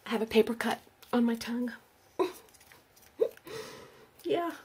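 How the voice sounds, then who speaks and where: This YouTube crafter, a middle-aged woman, chats informally on camera while hosting a giveaway, reading out names and asking viewers things. Her voice is on the high side, a little slow and mellow, with a breathy edge.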